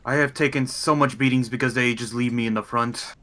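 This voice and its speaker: A man with a bright, medium-pitched voice plays in a tabletop roleplay. He speaks casually, slipping between himself and his character. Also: steady tone, a little fast. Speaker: tabletop game player.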